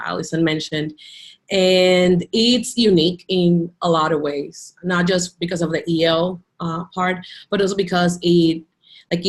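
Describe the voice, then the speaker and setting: A woman from the Dominican Republic, a teacher, talking casually in an interview with lots of "like" fillers and restarts. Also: lowish voice. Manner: chatty, many "like" fillers and restarts.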